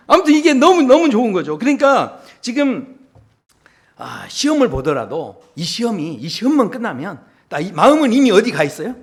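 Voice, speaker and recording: Lively, high-voiced man preaching. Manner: lively storytelling with laughs and acted quotes. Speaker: pastor. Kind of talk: sermon. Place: church sanctuary.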